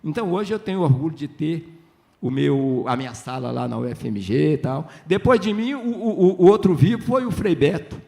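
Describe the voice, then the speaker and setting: This older Brazilian man from Minas Gerais has a slightly high voice with vocal fry and a moderate pace. On a literary festival panel he tells chatty, lively stories as a writer, using tag questions and acting out conversations.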